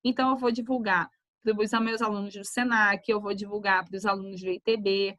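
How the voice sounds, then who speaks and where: A woman, a nursing teacher talking casually to her class and telling a lively anecdote full of quoted voices. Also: mid-range voice, fairly quick, dry recording. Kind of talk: casual class talk, storytelling. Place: online class.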